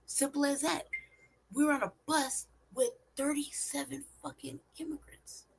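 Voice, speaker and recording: She has a high-pitched, creaky voice and a flat delivery at a moderate pace. A vlogger from California, she rambles casually, cursing a lot, stressing what she says and posing rhetorical questions.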